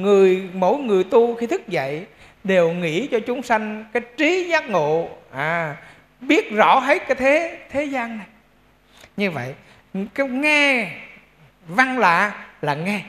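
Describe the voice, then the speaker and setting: A man's voice: high voice, a bit bright. A male Buddhist monk with a Central Vietnamese accent giving a dharma talk in a temple hall. He talks conversationally, checks in with his audience and adds humorous asides.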